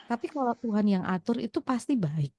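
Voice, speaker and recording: A woman's voice: a little high, very animated, fairly quick, dark tone, breathy edge, no room sound. A woman hosting a Christian radio talk, reading out listener questions and answering with brief affirming replies. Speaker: radio host. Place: radio studio.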